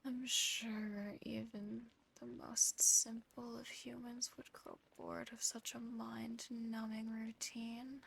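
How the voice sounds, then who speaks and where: A woman's voice: fairly high pitch, flat delivery, slow pace, few pauses, slight background noise, full character voice. A woman voicing a seductive, possessive female demon in a whispered ASMR roleplay, close to the microphone, with a teasing, smug delivery. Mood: smug, bored. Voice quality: soft, breathy whisper. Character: seductive, possessive female sleep-paralysis demon admiring a human.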